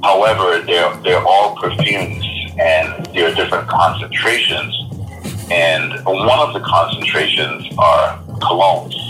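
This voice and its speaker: Deep-voiced Trinidad-born man telling stories. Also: unhurried, over music, rough recording. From Trinidad and Tobago. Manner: relaxed, storytelling with many restarts. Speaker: podcast guest. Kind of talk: casual interview storytelling.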